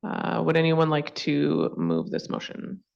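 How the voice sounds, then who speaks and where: Canadian woman council chair, very deep and gravelly, muffled from a distance. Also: big pitch swings, unhurried, a little mellow. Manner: formal, procedural. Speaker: meeting chair. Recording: dull, distant council mic.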